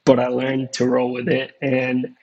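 A man's voice: mid-range voice, completely flat delivery, measured pace, a little mellow, lo-fi sound. A man from Puerto Rico, a podcast guest, telling his story in an easygoing, upbeat way. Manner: easygoing, upbeat about hardship. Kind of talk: casual self-introduction.

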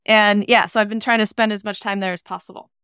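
A woman in her thirties from Iceland, a podcast guest telling stories about her career in a relaxed, chatty way over a video call. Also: medium pitch, quick pace, clean tone, dry recording, studio quality. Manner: chatty, anecdotal, frequent "you know" fillers. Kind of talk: relaxed storytelling interview.

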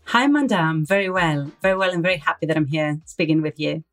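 Low-voiced Greek-accented woman. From Greece. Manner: measured, explanatory, slightly hesitant. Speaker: guest. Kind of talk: interview answers.

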